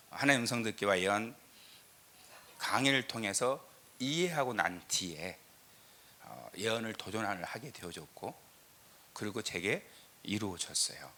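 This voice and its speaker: A middle-aged Korean pastor from the south with a slight southern regional lilt, preaching a teaching sermon with scripture readings and rhetorical questions. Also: male voice, fairly low pitch, pushed and bright. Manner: emphatic, rhetorical questions, frequent "eo" fillers. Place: church sanctuary.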